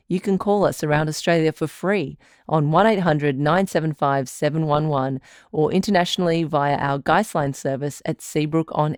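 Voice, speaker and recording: A woman's voice: low voice, darkish tone, no echo, clean studio sound, natural voice. A woman playing a patient, reassuring doctor who hosts a radio advice show, articulate and composed, in a scripted audio drama.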